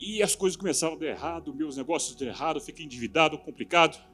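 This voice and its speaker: Impassioned Brazilian pastor preaching, raised voice. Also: male voice, fairly high pitch, very fast, husky, soft background music. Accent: Brazilian Portuguese. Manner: impassioned preaching, swinging from loud exhortation to hushed. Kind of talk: live sermon. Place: church service.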